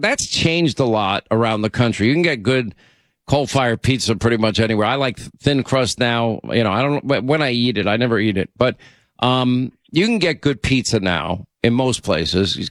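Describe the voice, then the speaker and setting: A man's voice: medium pitch, expressive, moderate pace, dry recording, studio quality. A man hosting a call-in radio show, talking in a chatty, rambling way. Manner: chatty, rambling, self-interrupting. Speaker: radio talk show host. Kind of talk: casual call-in radio chat.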